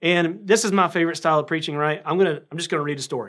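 Very fast and in a Southern US accent, a man talks with ordinary pitch variation in a very clean recording with a silent background. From North Carolina. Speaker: pastor. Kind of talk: sermon. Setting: live stream from church.

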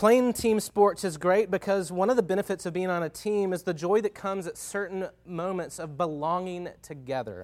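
High-pitched male voice in a Texan accent, hardly any pauses, very clean recording with a silent background. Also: ordinary pitch variation, moderate pace. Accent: Texan Southern US. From Northeast Texas, US. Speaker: campus minister, guest preacher. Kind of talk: sermon. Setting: church.

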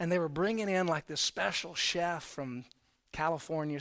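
A man talks at a moderate pace in a normal speaking voice, fairly high in pitch. The recording is very clean, with a silent background. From Florida. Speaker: traveling preacher. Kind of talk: sermon. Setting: church.

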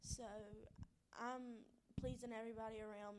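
Monotone and flat in intonation, a woman talks with a North Carolina accent. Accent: US South, North Carolina. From Roanoke Rapids, North Carolina. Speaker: recovery program intern. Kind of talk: testimony. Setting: church stage with audience. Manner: nervous laughter.

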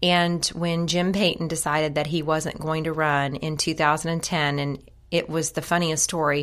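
In a very clean recording with a silent background, a woman with an American accent speaks fairly slowly in a very deep, low, monotone voice with flat intonation. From US South. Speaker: county commission chair. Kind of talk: interview.

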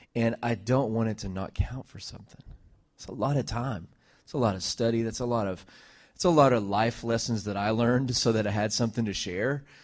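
Big swings in loudness mark this man's speech, delivered at a fairly quick pace. His pitch is medium. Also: ordinary pitch variation. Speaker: pastor. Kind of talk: sermon. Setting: church. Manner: fast talker.

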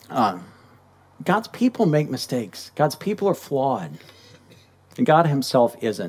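A fairly high-pitched man with vocal fry and very wide pitch swings, at a fairly slow pace with long, frequent pauses. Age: 50s. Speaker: preacher. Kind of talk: sermon.

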